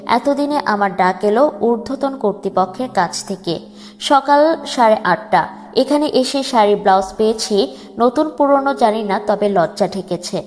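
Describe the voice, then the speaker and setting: A woman narrating a first-person wartime memoir in a grave, measured way. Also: a little high, lively intonation. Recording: long reverb with soft music beneath.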